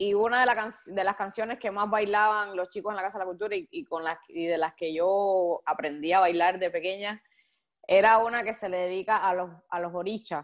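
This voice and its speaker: A woman at a moderate pace, with ordinary pitch variation and a quiet background. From Cuba, Camagüey province (rural); Cuba. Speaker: singer; interviewee. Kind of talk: interview. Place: home room. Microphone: earbuds.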